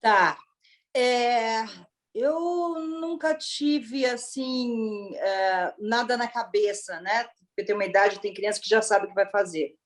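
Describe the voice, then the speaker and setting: A woman actress born in Italy and raised in Brazil, chatting in an interview as a lively storyteller full of exclamations. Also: medium pitch, takes it slowly. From born in Turin, Italy, raised in Brazil. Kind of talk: casual interview chat.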